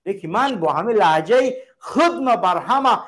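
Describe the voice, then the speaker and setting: High-voiced Tajik man preaching emphatically. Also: animated, fairly bright tone. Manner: emphatic and repetitive, stacks up parallel phrases. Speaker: call-in show host. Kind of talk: preachy political call-in talk.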